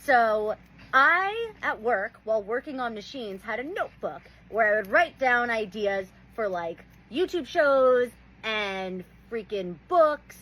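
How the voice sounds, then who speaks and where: A woman's voice: fairly high pitch, animated, takes it slowly, a bit bright, rough recording. A young woman hosting, telling funny stories in casual chat and laughing often. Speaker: host.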